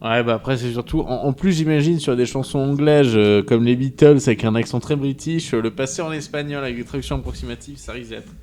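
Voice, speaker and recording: A man's voice: mid-range voice, fast, hardly any pauses, a little mellow, slight background noise. A man guest on a podcast, joking in casual chat with frequent restarts.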